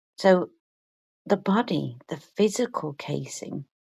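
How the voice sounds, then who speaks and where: A woman talks at a very slow pace with vocal fry. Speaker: meditation guide. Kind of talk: guided meditation. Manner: halting, with fillers.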